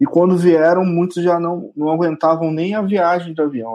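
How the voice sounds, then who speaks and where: A man with an unremarkable speaking voice, fairly high in pitch, at a moderate pace. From Brazil, São José dos Campos (São Paulo state interior). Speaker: photojournalist. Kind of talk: interview.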